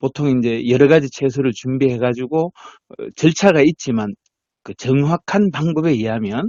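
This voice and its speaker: The speaker has a strong Gyeongsang accent. The pace is fairly slow, with ordinary pitch variation. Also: man, fairly high pitch for a man, big swings in loudness. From Gyeongsang region, Korea. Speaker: health education lecturer. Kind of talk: interview answer.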